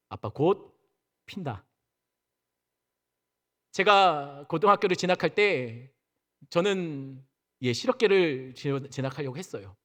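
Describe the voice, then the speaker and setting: A man's voice: a little high, a bit bright. A male senior pastor preaching a Sunday sermon in a church sanctuary, talking conversationally and asking the congregation questions. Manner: conversational, asks the congregation questions and acts out quotes.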